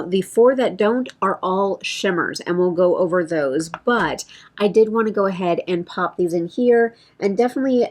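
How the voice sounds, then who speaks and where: A woman with a fairly low voice talks casually as a beauty vlogger. She chats through a product update, thinks aloud and corrects herself as she goes. Her voice sounds a little strained. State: voice feels strained.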